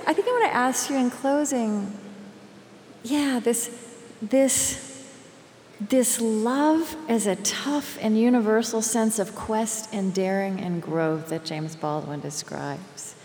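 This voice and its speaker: A woman from Oklahoma interviewing in a thoughtful, halting way, searching for her words. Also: a little high, lively intonation, a little mellow. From Oklahoma, United States. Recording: echoey hall, hiss and noise.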